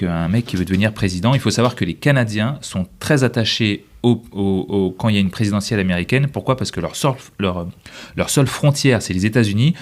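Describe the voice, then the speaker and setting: A man speaking conversationally as an interview guest, telling anecdotes and giving advice, often voicing the quotes. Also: lowish voice.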